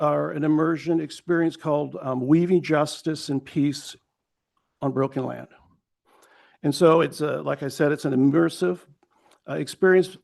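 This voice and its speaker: This pastor from Hawaii, a man in his fifties, gives an earnest public comment at a county hearing in a slightly high, gravelly, somewhat mellow voice. He often restarts phrases and tells a short story along the way.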